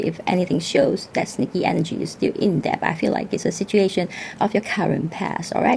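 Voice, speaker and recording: The clip has noticeable background noise. The voice is a woman's. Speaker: tarot reader. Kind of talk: tarot reading. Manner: many fillers and hesitations.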